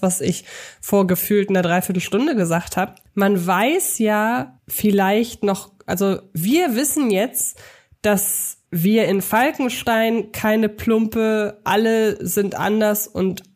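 A woman's voice: medium pitch, slow pace, a little mellow. A woman co-hosting a podcast, casually discussing films and explaining her reasoning step by step. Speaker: podcast co-host.

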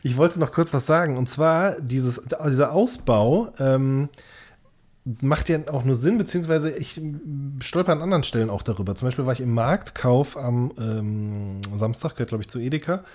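A man's voice: medium pitch, animated, moderate pace, darkish tone. A man chatting casually as a podcast co-host, thinking aloud and drifting into digressions.

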